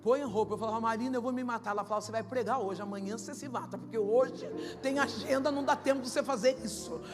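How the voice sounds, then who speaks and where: A woman pastor with a Brazilian Portuguese accent gives an emotional testimony sermon, moving from quiet storytelling to shouted, half-sung preaching. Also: fairly high pitch, fast talker. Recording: echoey hall with long reverb and loud music behind.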